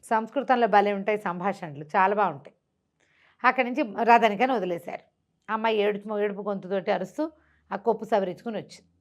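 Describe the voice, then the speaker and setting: A woman storyteller with a mid-pitched voice. She recounts an old tale without a script, in a conversational, explanatory way. She often repeats a phrase to carry the telling along. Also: fairly quick. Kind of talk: unscripted oral storytelling of a classical tale.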